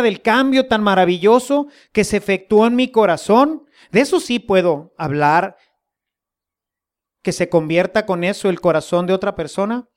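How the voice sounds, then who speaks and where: A Catholic preacher with a Mexican accent giving a sermon in a folksy, humorous way, full of rhetorical questions to the congregation. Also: medium pitch.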